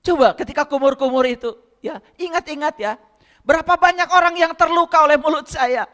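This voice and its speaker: A man's voice: extremely high pitch, a little fast, fairly bright tone, in a large hall. A man giving a spiritual lecture to a congregation, often asking them rhetorical questions and speaking to them directly. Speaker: religious lecturer.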